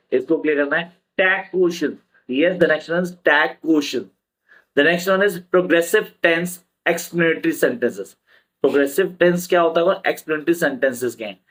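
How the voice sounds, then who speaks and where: Man, Indian English accent, tutor, exam-prep lesson, slow deliberate delivery, slightly high voice. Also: fairly bright tone, poor audio. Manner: switches between slow repeated English terms and quick Hindi explanations.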